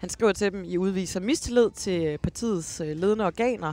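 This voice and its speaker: At a fairly slow pace, this woman talks with a fairly low pitch. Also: very clean recording, silent background. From West Jutland, near Varde. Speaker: podcast co-host, political journalist. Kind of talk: casual political chat. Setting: in a car. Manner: hesitant, many fillers.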